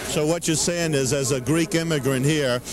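A man interviews people at a street rally, restating their answers back to them as he asks the next question. His voice is slightly raised in pitch, and a loud crowd is heard behind him. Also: moderate pace. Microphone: handheld mic.

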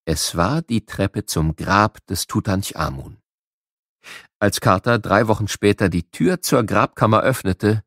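A man narrating a scripted educational audio programme for children in a measured, explanatory way. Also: fairly low pitch, no room sound, clean studio sound.

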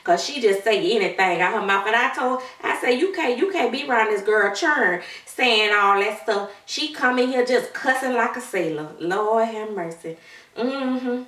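A woman's voice: on the high side, expressive, normal speed, fairly bright tone. A woman playing a gossipy, sassy middle-aged babysitter auntie, rambling chattily and calling everyone child and honey. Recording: roomy room, mic at a distance.

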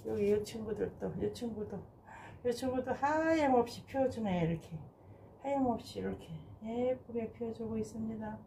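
A woman with a mellow, warm voice talks in a relaxed, casual way as she shows her balcony plants, sighing softly in admiration. A faint hum of ambient noise sits behind her. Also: fairly high pitch, normal speed, vocal fry. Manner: gushing and admiring, with soft sighs. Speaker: gardening vlogger. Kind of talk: casual narration while showing plants. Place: home balcony garden.

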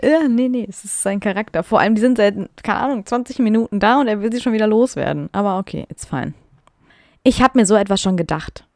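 A woman's voice: medium pitch, quick pace, hardly any pauses, a little mellow, dry recording, clean studio sound. Giggly, self-mocking woman podcaster. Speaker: podcast co-host. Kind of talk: casual chat, reading her old fan fiction aloud.

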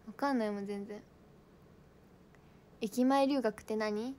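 A woman's voice: a little high, a little slow, dark tone. A young woman chatting casually on a livestream, bubbly and giggly, reading out viewer comments. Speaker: idol livestream host.

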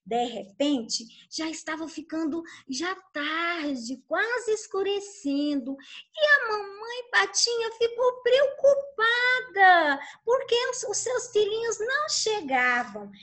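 A woman teacher telling a children's story, slow and expressive with drawn-out repetitions. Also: very high-pitched.

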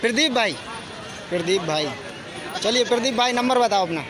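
A man, vlogging at an outdoor livestock market and quizzing sellers on their prices in a brisk, chatty way. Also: sits high, expressive. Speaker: vlogger interviewing goat sellers. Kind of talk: casual on-the-spot questioning and commentary. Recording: loud market crowd behind.

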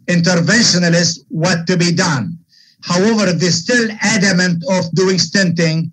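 An older man with an Arab American accent and a husky voice, answering webinar questions as a guest lecturer in an emphatic, opinionated manner. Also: sits high, fairly bright tone, poor audio. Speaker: guest lecturer, vascular surgeon.

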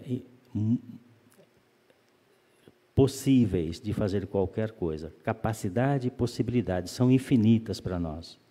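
Low-voiced man lecturing in a reverberant hall. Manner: calm, explanatory, rhetorical questions. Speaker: lecturer at a spiritist center. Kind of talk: spiritist public lecture.

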